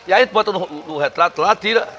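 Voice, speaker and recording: Speaking with a Northeastern accent, this Northeast Brazilian guest in a casual bar interview has a high, bright voice and a forceful tone at a quick pace. He's emphatic and combative and doesn't hold back the salty language.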